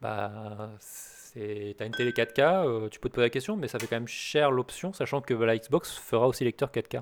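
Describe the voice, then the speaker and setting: Male speech in a normal speaking voice, medium pitch, ordinary pitch variation, moderate pace, on a very clean recording with a silent background. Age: 30s. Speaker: video game podcast host. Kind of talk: casual chat.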